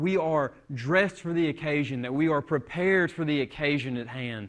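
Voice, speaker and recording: Against a quiet background, a man speaks with ordinary pitch variation. His pace is moderate. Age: 20s. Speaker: associate and youth pastor. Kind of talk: sermon. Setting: church. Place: church.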